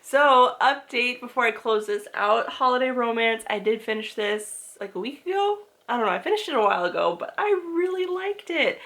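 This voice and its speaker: A young woman vlogging about books and lifestyle speaks in a higher, slightly bright, animated voice at a moderate pace, barely pausing. Despite a cough and blocked nose she chats away cheerfully to the camera, laughing often and using "like" constantly.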